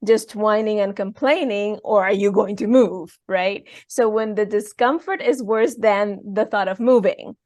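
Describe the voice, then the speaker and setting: A woman hosting a podcast interview, upbeat and brisk, often checking in with "right?". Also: medium pitch, a little mellow, no room sound. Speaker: podcast host. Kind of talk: conversational interview.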